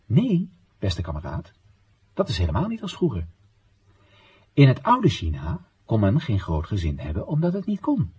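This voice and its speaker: Raspy, didactic male party comrade. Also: lowish voice, huge pitch swings, normal speed, pauses often, dark tone, full character voice. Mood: patronising, firm. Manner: didactic, emphatic. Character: smooth-talking, dogmatic male Chinese party comrade. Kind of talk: scripted radio drama dialogue.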